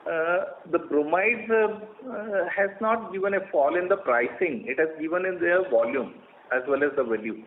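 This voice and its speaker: Man, Indian accent, executive fielding call questions, halting explanations, echoey phone audio, faint noise. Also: a little high, phone-quality sound. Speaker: company executive answering analysts' questions. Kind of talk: earnings call question and answer. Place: conference call over a phone line.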